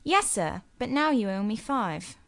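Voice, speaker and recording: A woman's voice: fairly high pitch, big pitch swings, a little slow, exaggerated voice. Lady reading young governess, polite but stubborn, old-fashioned storybook voice. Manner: restrained, polite, quietly firm.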